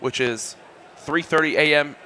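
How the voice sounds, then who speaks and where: A man's voice: a little high, unhurried, bright, forceful tone, a little hiss or hum. A male esports commentator trading easygoing jokes with his co-caster while they wait for a match. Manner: joking, easygoing banter. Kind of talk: casual caster banter between matches.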